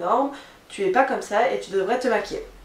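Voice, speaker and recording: Audible room echo and noticeable background noise surround a woman speaking at a fairly quick pace. Her pitch is fairly high and her intonation lively. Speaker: beauty and lifestyle vlogger. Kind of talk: casual vlog monologue. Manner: fast; hesitant, many fillers.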